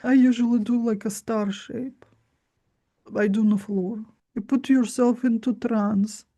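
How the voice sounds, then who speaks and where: A woman's voice: fairly high pitch, steady tone, a little slow, dark tone. A woman giving informal spiritual instruction in short, simple phrases. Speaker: spiritual teacher.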